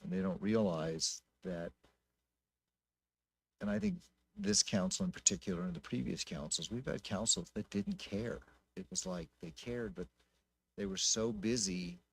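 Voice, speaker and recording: A man's voice: on the low side, gravelly, rough recording. An American man speaking off the cuff as a city council member at a public meeting, emphatic and prone to repeating his points. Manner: emphatic, repetitive. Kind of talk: impromptu public meeting remarks.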